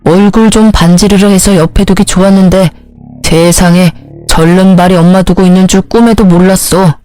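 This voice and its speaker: A woman's voice: fairly low pitch, steady tone, normal speed, dark tone, lightly acted. Woman voicing a sneering, insulting boyfriend. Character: rude arrogant young man, the boyfriend.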